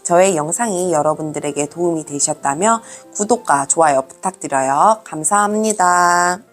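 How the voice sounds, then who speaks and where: A woman giving a weekly tarot reading to her viewers, talking in a gentle, reassuring way and addressing them as a group. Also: lowish voice, moderate pace. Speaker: tarot reader. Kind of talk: soft-spoken tarot reading. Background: faint background music.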